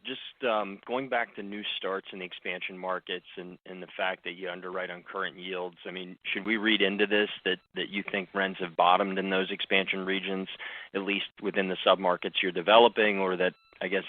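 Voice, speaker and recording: Flat, low male caller on phone line. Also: brisk, no echo. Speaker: analyst asking questions. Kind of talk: unscripted earnings-call questioning. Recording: narrow, tinny phone line.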